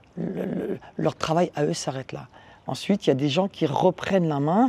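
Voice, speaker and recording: The man's voice is high in pitch with a dark, mellow tone. He keeps a moderate pace, and the sound is dry and close with no echo. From Morocco (Meknes). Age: 60s. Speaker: actor. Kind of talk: interview. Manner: hesitant, many fillers.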